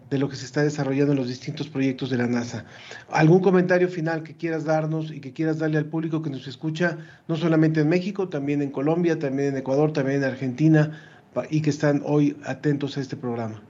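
A man's voice: on the high side, darkish tone. Formal male radio co-host, muffled. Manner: measured, formal announcer phrasing. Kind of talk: radio interview.

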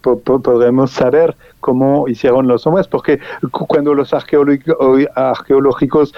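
A man's voice: medium pitch, flat delivery, normal speed, dry recording. Hesitant man with a dull, dry sound. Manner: hesitant, many restarts and fillers. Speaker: guest researcher. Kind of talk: unscripted interview answers.

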